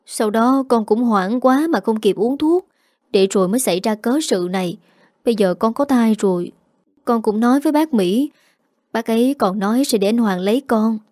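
Pleading, apologetic young woman, voiced by a woman narrator, mellow tone. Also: fairly high pitch, normal speed, no echo, studio quality, lightly acted. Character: pleading young adult pregnant daughter.

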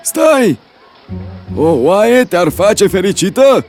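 A cheerful old man in a cartoon, with a high voice that leaps up and down. He talks eagerly and politely, and soft music plays behind him. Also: sing-song. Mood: excited, pleading. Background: background music.

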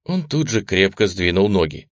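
Deep-voiced man narrating an audiobook. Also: lively intonation, normal speed, dry recording, studio quality.

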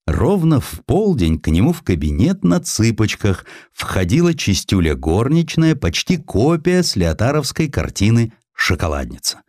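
Deep-voiced man narrating with lively, swooping intonation. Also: no echo, clean studio sound. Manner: expressive storytelling with acted dialogue. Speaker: audiobook narrator. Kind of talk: dramatized scripted narration.

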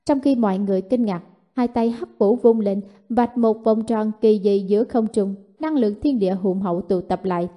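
A woman narrating a martial fantasy novel in steady, even storytelling. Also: mid-range voice, normal speed. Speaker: audiobook narrator.

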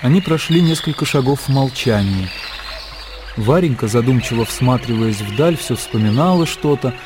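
A man reading the narration of a classic radio play in a measured, even manner. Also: medium pitch, background noise. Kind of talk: scripted literary narration.

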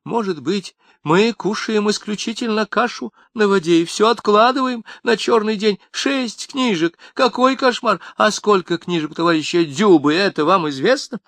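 A man's voice: sits high, normal speed, few pauses, fairly bright tone, no room sound, voice pushed up. A man voicing a tearful, indignant older mother who scolds shrilly. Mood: shrill indignant.

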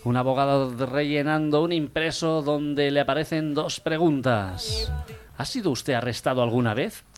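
A man's voice: fairly high pitch, moderate pace, soft background music. A man co-hosting a radio comedy show, telling jokes in a plain storytelling way.

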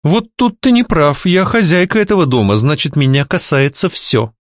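A man voicing a sharp-tongued young woman who mocks and scolds her ghost ex-husband. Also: fairly high pitch, big pitch swings, normal speed, dry recording, clean studio sound, pitched above the performer's own voice. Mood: stern. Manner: mocking, scolding, ironic. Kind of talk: audiobook character voicing.

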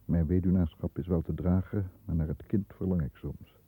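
An actor playing a stern, disdainful middle-aged lawyer who narrates his own thoughts in a measured way in a 1960s radio drama, heard on a muffled old recording. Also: low voice, fairly even intonation, slightly rough, no room sound. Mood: reflective, severe. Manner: measured, introspective first-person narration.

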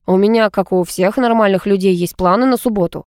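A woman's voice: mid-range voice, fairly quick, a little mellow, no echo, studio quality, close to an everyday voice. A woman voicing a cocky, mocking young male student who teases and needles. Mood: smug. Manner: teasing, smug.

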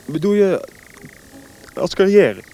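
An actor playing a frank, admiring young army officer in a radio play, chatty and teasing with some hesitation. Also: male voice, high-pitched, very animated, takes it slowly, mellow, a little hiss or hum, full character voice, poor audio. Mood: frank, doubtful. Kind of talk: Dutch radio play acting.

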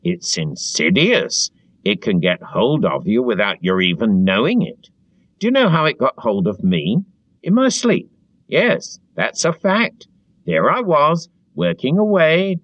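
A frightened, servile middle-aged man pleads eagerly, his strained voice jumping high, as a male narrator puts him on. The pitch swings widely from line to line. It sits in a dry, dull, lo-fi recording. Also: very animated, measured pace, fairly bright tone, dry recording. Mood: feverish.

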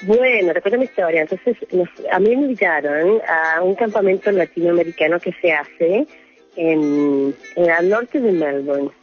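A Chilean woman phones in to a radio program and tells a long, wandering story, laughing often as she goes. Her voice is husky and sits in a middle pitch. The sound is dull and muffled, with faint music playing behind her. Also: normal speed. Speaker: caller. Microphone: phone call.

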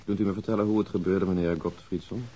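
An actor playing a calm, patient police inspector in a radio drama, questioning in a measured, courteous way. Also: male voice, sits low, breathy edge. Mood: calm, businesslike. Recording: faint hiss.

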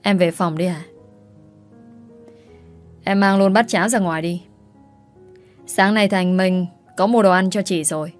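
A woman's voice: fairly low pitch, measured pace, long pauses, soft background music, close to an everyday voice. A woman voicing an injured, weary young wife in a spoken story. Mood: curt. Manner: curt, weary.

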